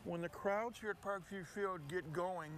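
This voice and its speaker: High-pitched older American male sports announcer. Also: moderate pace. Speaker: radio play-by-play announcer, co-host. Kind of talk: sports commentary chat. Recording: faint ambient background noise.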